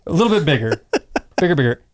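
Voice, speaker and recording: A man voicing a scheming male dark lord who coaxes his servant into an odd task, as a joke during a casual podcast chat. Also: a little high, very animated, fast talker. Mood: coaxing. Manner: coaxing, wheedling. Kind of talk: comedic bit in casual chat.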